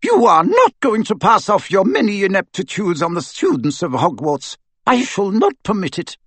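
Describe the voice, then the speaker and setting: A guy doing a strict old lady professor, cold and clipped, voice raised high and slow. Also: big pitch swings, a bit bright, no room sound, exaggerated voice. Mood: scornful. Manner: crisp, clipped, icily formal. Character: stern older woman professor, cold and precise.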